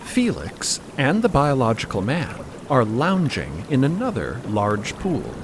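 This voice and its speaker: A man narrating a scripted fiction podcast in a measured manner, savoring descriptive phrases. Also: medium pitch, huge pitch swings, noisy background.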